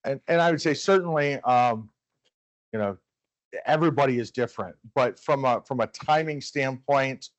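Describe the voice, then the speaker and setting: A man's voice: medium pitch, moderate pace, no room sound. A man moderating a business panel at a live event, framing questions with repeated words and restarts. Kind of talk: panel discussion. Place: event room with live audience.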